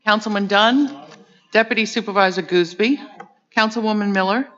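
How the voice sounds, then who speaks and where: A woman's voice: mid-range voice, brisk, fairly bright tone. A woman acting as clerk, reading the roll call at a town meeting in a formal way. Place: town hall meeting room. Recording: dull lo-fi audio from a distance.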